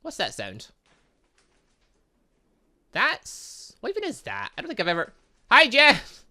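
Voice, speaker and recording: A man giving excitable let's-play commentary, rambling along with playful, exclamatory asides. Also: very high voice, unhurried. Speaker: gaming channel host.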